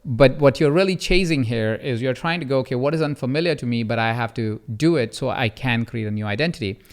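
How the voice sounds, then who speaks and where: A man in his thirties hosting a coaching podcast, telling personal stories and acting out quotes in an animated way. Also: quick pace. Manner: animated, acts out quotes with rising pitch. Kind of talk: conversational storytelling.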